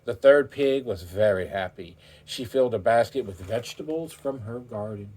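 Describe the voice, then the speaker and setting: Reading a children's tale aloud, this man uses a low, expressive, darkish voice at a moderate pace. He performs it theatrically, drawing out words and speaking straight to his audience.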